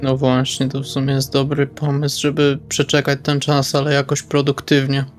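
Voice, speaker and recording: Man, role-playing gamer, casual table talk, middling pitch, faint music behind. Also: monotone, moderate pace. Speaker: player in a role-playing session. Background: background music.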